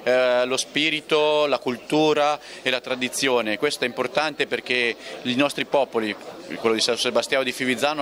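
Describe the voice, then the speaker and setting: A man speaking Italian as his first language, giving a deliberate, ceremonial interview statement outdoors. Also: medium pitch. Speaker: visiting mayor.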